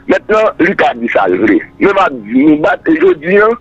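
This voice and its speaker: A man's voice: a little high, huge pitch swings, normal speed, slightly rough, dry recording, lo-fi sound, soft background music. A man, a political guest answering in a radio interview, emphatic and repetitive, declaiming his points.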